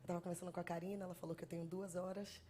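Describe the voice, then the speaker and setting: A woman's voice: lowish voice, little pitch movement, racing. A woman from Bahia with a Bahian accent, a guest preacher in her thirties, nervously chatting and joking with the congregation into a handheld mic before her sermon. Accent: Bahian Portuguese. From Bahia, Brazil. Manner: chatty, self-deprecating, jokes with the congregation. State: nervous, trembling. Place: church sanctuary.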